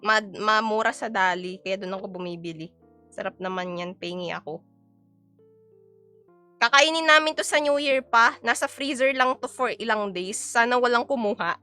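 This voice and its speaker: A woman's voice: on the high side, sharp tone, clean tone, no echo. Playful, giggly young woman streamer. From Philippines. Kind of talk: casual live-stream chat while cooking.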